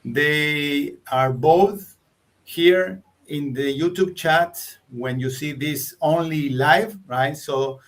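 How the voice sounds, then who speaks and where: A man's voice: on the high side, extremely slow. Hesitant Argentinian man presenter. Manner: hesitant, with fillers and repeated words. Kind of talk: tech webinar talk.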